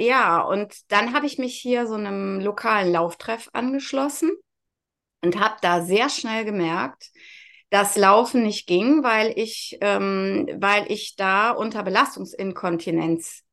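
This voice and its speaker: A woman in her fifties from near Cologne, telling her personal story openly as a podcast guest, with frequent pauses. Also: medium pitch, vocal fry, fairly bright tone. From Germany, near Cologne. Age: 50s. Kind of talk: casual interview chat.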